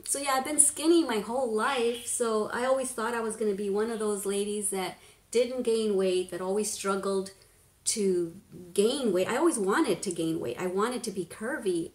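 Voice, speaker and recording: A woman in her fifties chatting casually on a home live stream, rambling, laughing often and sometimes dropping to a hush. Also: mid-range voice, normal speed. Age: 50s. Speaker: beauty vlogger, live stream host. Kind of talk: casual live-stream chat reading comments. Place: living room at home, indoors. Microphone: webcam at desk distance. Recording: echoey room.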